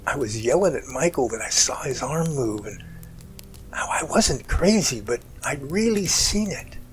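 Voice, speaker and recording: A man acting in an amateur audio drama as an emotional man haltingly recounting a rescue that overwhelmed him. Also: mid-range voice, expressive, close to an everyday voice. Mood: shaken, intense.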